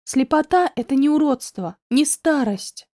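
A young woman on the edge of tears, her voice pitched up and pushed louder in pleading outbursts, as the audiobook reader acts her. The tone stays mellow and dry, recorded close. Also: animated, moderate pace, no echo. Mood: distraught. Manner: pleading, raised, tearful outbursts.

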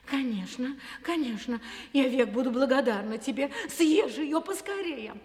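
A fussy cave woman squeals in alarm and gushes her thanks in a high, swooping voice. Her quick exclamations tumble over each other. The old studio recording has a long reverb tail. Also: expressive, darkish tone, slight background noise. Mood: relieved. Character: frightened, flattering cave woman. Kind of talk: vintage studio radio play acting.

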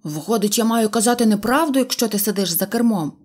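A woman's voice: on the high side, fast, a little mellow, natural voice. A woman voicing a contrary little boy who scoffs at everything, in a storybook reading. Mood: sneering. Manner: scornful, dismissive.

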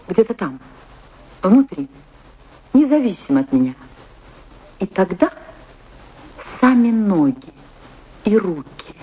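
Slow, swooping, passionate dancer. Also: female voice, fairly high pitch, slightly rough, exaggerated voice, low-quality recording. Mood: impassioned. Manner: expressive, dramatic, deliberate pauses. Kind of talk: theatrical Russian radio drama, monologue and dialogue.

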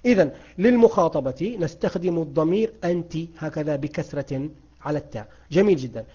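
Male grammar teacher, slightly high, husky voice; coaxing and quizzing his class. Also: dark tone, highs cut off. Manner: asks students questions and praises their answers. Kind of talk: online grammar lesson.

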